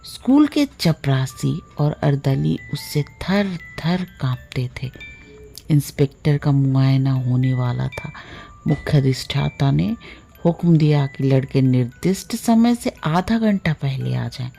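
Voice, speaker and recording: A woman narrates a literary story in a low voice with a creaky grain. Her tone is dark and mellow. She shapes phrases expressively and stretches them out, with faint music behind her. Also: expressive, slow. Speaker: audiobook narrator.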